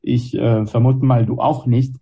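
A man in his late twenties from Israel, hosting a radio program with measured, rhetorical narration and interview questions. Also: medium pitch, little pitch movement, vocal fry, warm tone, husky, lo-fi sound. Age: 20s. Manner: measured, rhetorical, list-like delivery. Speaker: radio host.

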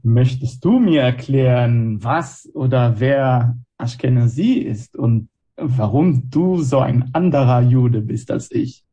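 A man's voice: mid-range voice, takes it slowly, dark tone, slightly rough. A man in his twenties, born and raised in Israel with Hebrew as his first language, hosting a radio show with scripted narration and reflective interview questions. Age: 20s.

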